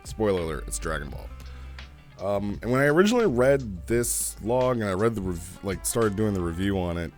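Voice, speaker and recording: Male review host, deep register, chatty and opinionated, faint music underneath. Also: very animated, a little fast. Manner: conversational, opinionated. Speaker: host reviewing roleplay logs. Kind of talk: casual review commentary. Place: home recording studio.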